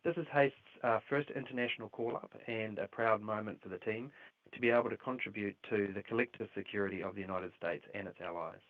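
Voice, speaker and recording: Exec guy reading prepared results on a call, measured, roomy sound, narrow phone-like audio. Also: on the low side. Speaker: company executive presenting results. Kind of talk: prepared earnings call presentation. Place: conference call relayed on a livestream.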